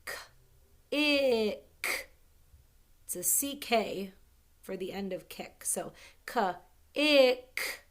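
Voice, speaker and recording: A woman leads an early-grade reading lesson, sounding out words slowly and clearly in an upbeat, encouraging way. Her voice is medium-pitched, bright and forceful.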